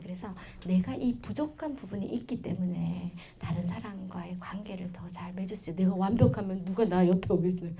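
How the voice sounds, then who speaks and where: A middle-aged woman with a regional Korean accent giving a parenting lecture, telling stories in a chatty way that swings between loud bursts and soft asides. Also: mid-range voice, creaky, slight background noise. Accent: Korean regional dialect.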